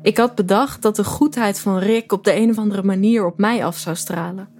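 A woman's voice: mid-range voice, moderate pace, a little mellow, natural voice. An actress playing a lovesick woman who narrates her romance in a wry, introspective way in an audio drama. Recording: music behind.

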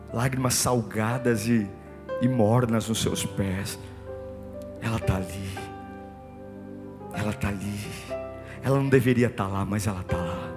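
A man preaching a sermon, emphatic and repetitive, dropping to a hush and then rising to force. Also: mid-range voice. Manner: emphatic and repetitive, swinging between hushed and forceful. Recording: long hall reverb with soft music behind.

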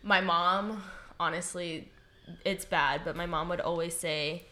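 A woman's voice: fairly low pitch, fairly even intonation, a little slow, bright, forceful tone, a little hiss or hum. A young woman from Hawaii in a candid, casual group chat, laughing often as she talks.

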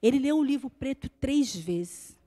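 A woman with a high voice preaches an evangelical sermon, soft and reflective one moment and loud with shouted praise the next. She tells stories and acts out other people's voices as she goes. Faint music plays behind her. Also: animated, measured pace. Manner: swings between soft storytelling and shouted praise.

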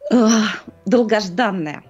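A middle-aged woman co-hosts a casual podcast, calmly reasoning through her points. Her voice has an ordinary pitch for a woman, and the recording sounds a little dull and lo-fi. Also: slow, husky, soft background music. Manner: calm and explanatory, reasoning things through. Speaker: podcast co-host.

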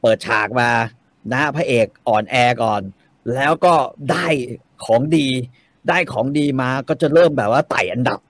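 A guest discussing novels talks casually and animatedly, swearing freely and repeating words for emphasis. His voice sits in the mid range, his pace is moderate, and there's no room sound.

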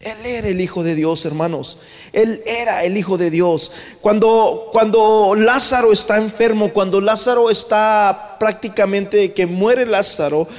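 A man's voice: high-pitched, a little slow. Man, preacher, fervent sermon, long hall reverb. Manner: swings from hushed to loud, fervent.

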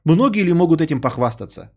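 Husky sarcastic ranting man. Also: a little high, very animated, quick pace. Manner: sarcastic, indignant, swears a lot. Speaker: podcaster and streamer. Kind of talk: ranting monologue answering a viewer.

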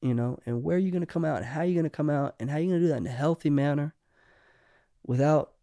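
A middle-aged songwriter, guesting on a casual podcast conversation, talks in a rapid-fire, slightly high voice with a dark tone. He rambles, restarts often and says "you know" a lot. The sound is clean studio audio with no echo.

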